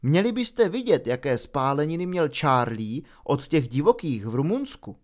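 A man voicing a cheeky, easily bored schoolboy wizard in a lively, matter-of-fact way. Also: a little high.

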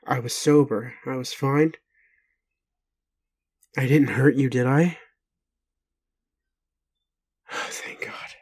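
Male actor as bewildered gentle man, intimate audio roleplay, slow pace, hesitant, doubting, mid pitch. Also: breathy edge. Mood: apologetic, worried. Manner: halting, hesitant, full of pauses and sighs.

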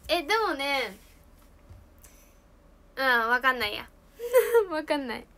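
A bubbly teenage girl with a lilt, chatting on a live stream and reading out viewer comments. Her voice sits very high, and she giggles often between lines. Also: sing-song, slow pace, a bit bright. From Japan. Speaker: idol trainee streamer. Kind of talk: casual live stream chat.

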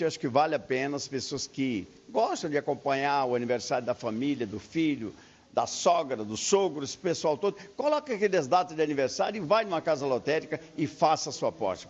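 A man's voice: fairly high pitch, expressive, a little fast. An older man, president of a lottery federation, chatting upbeat and folksy in a live TV interview inside a busy lottery shop, into a handheld mic. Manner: folksy, upbeat salesman talk. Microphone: handheld reporter mic. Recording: muffled broadcast field audio.

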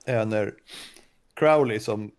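A man chatting casually and easily while playing a game together with the host. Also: fairly low pitch. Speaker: co-player and guest. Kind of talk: casual gaming chat.

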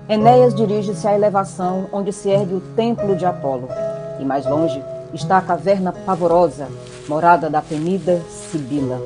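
Female storyteller for a comic audio drama, Brazilian accent, slightly low register, clear music bed. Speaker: narrator. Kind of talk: scripted comic story narration.

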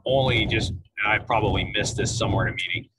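A man phones into a meeting on his car speakerphone while he drives. His lowish voice sounds distant from the mic, and steady road noise runs under it. He talks haltingly and repeats words as he works out his question. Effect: car speakerphone call while driving. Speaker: fire chief calling into a meeting. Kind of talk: casual question in a video meeting. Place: inside a moving car.

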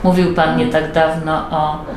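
A woman interviewer asking long, winding questions in a steady, level manner, with frequent murmured acknowledgements. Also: deep voice, unhurried. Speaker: interviewer, local newspaper host. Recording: echoey office room, faint background hum.

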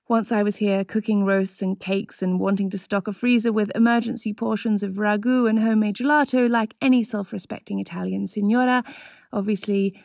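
Give me a chatty woman with a gravelly edge to her voice. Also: mid-range voice, a little mellow, dry recording, studio quality. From Australia. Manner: enthusiastic, chatty, laughs often. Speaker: lifestyle vlogger. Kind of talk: voice-over narration and casual vlog talk. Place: home kitchen in Tuscany.

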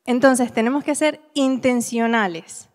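A young woman preaching a sermon in a church, telling personal stories to her congregation in a conversational, expressive way. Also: on the high side, unhurried. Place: church hall. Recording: long church-hall reverb.

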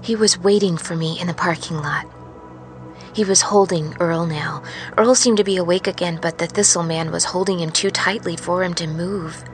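A woman playing a weary, haunted truck driver, musing in a hushed, halting monologue for a fiction podcast. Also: lowish voice, fairly even intonation, soft background music, close to an everyday voice. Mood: haunted, grave. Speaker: narrator of serial fiction podcast. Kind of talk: dramatic first-person audio fiction monologue.

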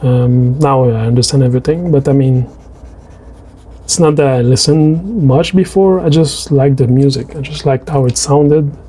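Male French Canadian voice-over, native French speaker, hesitant and chatty, mellow tone, mid pitch. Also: fairly even intonation, moderate pace, breathy edge. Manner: hesitant, many restarts and fillers. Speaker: artist narrating a drawing video. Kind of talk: casual voice-over chat.

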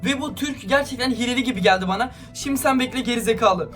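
Gaming YouTuber, male, high pitch; irritated ranting commentary, trades insults, addresses the audience directly. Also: fast talker, a bit bright, soft background music. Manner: talks straight to viewers. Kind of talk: gameplay commentary to viewers.

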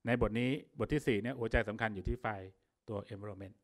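A man's voice: fairly low pitch, steady tone, fairly quick. A middle-aged man presenting a technical workshop, explaining in a casual way with fillers and polite particles. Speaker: workshop speaker.

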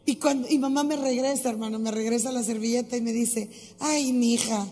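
A woman giving a lively preaching testimony as a Christian singer at a live church event, moving between soft and loud. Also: on the high side, fast. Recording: live hall with long reverb.

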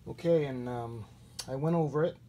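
A man giving a casual hands-on hobby tutorial, thinking aloud in a halting way as he works at home. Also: medium pitch, warm tone. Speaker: hobby model builder, video host. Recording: noisy handheld home video sound.

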